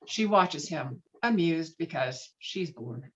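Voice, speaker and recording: A woman's voice: low voice, expressive, slow pace, highs cut off. A woman narrating screenplay stage directions with a dramatic, emphatic read on a video call.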